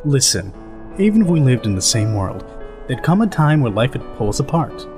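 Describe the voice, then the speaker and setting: A man's medium-pitched voice, with big pitch swings and a moderate pace, brings a goofy older soldier to life in a fan dub of a game scene; the character is easygoing, rambling, chatty, joking and laughs easily. Music sits in the background and the acting is light.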